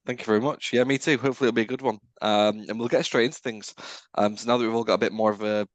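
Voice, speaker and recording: Low-voiced man hosting a roundtable. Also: steady tone, rapid-fire, dry recording, lo-fi sound. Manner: friendly, rambling framing of questions. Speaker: podcast host, recruiter. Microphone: video call.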